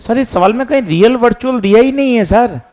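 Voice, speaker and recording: A man's voice: extremely high pitch, a little fast, a little mellow, pitched above the performer's own voice. A man voicing a cheeky teenage boy student who pleads and keeps insisting, sir. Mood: pleading.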